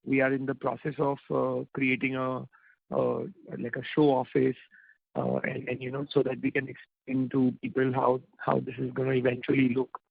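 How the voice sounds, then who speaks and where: A man with an Indian accent answers investor questions as a company executive, in informal, halting phrasing. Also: mid-range voice, monotone, creaky, husky, no room sound. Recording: tinny, dry phone line.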